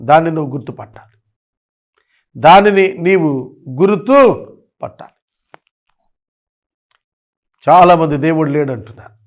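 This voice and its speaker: A high-pitched man with a Telugu accent delivers a sermon, building rhythmic repeated phrases. He slows right down to stress his English lines, his tone rising and falling as he pleads with the listener. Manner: rhythmic repetition, switching into slow emphatic English lines. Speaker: preacher.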